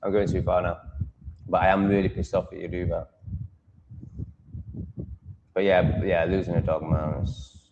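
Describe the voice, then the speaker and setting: A man's voice: sits low, little pitch movement, moderate pace, long pauses, muffled recording. A man hosting a livestream in a blunt, profane, mocking manner. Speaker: livestream host. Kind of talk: casual livestream rant. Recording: long reverb, faint noise.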